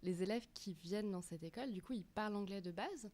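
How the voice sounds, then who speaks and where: A woman who hosts a podcast reads a scripted introduction and asks calm interview questions. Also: mid-range voice, quick pace. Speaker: podcast host. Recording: dry close studio sound.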